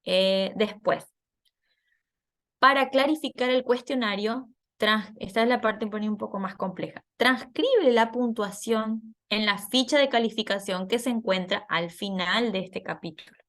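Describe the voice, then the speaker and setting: A woman's voice: medium pitch, a little slow, fairly bright tone. A woman patiently explaining a scoring worksheet to students in an online class, laughing at herself now and then. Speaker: teacher.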